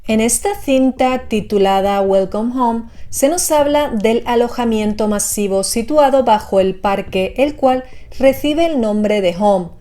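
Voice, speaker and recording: Mellow woman narrating scripted horror explainer. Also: on the high side, measured pace, hardly any pauses. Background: background music.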